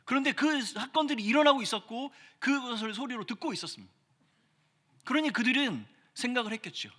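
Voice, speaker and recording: A man's voice: very high-pitched, expressive, a little fast. Earnest male pastor preaching in a hall. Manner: earnest preaching, rising emphasis then dropping softly. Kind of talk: sermon. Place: church sanctuary. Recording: church hall reverb.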